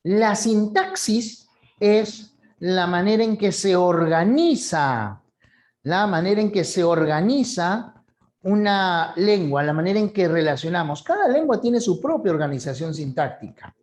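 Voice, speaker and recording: A man's voice: high-pitched, expressive, unhurried, a little mellow. A man with a Peruvian coastal accent giving a video lesson, explaining conversationally and checking in with his listeners often. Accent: Peruvian coastal Spanish. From Peru. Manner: conversational, frequent "¿no?" tags, acts out examples. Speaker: teacher.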